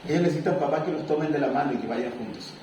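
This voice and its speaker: A man preaching a sermon as pastor, lively and animated, acting out little scenes. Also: fairly high pitch, rapid-fire, background noise. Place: church. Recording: echoey room, mic far off.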